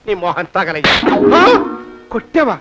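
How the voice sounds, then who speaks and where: A man's voice: sits high, sing-song, moderate pace, over loud music. A middle-aged man playing a jittery, miserly landlord who blusters and haggles while being blackmailed, in a film comedy scene. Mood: haggling.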